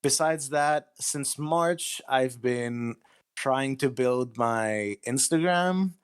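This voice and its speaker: A man's voice: medium pitch, extremely slow, smooth. Guy from greece, writer being interviewed, kinda hesitant and self-deprecating, casual chat. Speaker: guest writer of audio horror stories.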